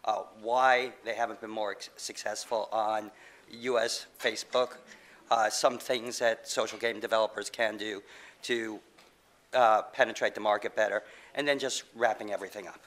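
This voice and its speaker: Low, bright-toned man with a cold. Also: fairly even intonation. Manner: halting, many restarts and fillers. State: getting over a cold. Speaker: conference speaker, game company CEO. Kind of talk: conference presentation.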